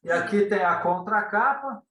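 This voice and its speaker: High-voiced man in a roomy echo. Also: lively intonation, moderate pace, distant mic, crowd noise. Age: 50s. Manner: meandering, hesitant, frequent tag questions. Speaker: guest, ufology author. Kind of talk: conversational interview storytelling.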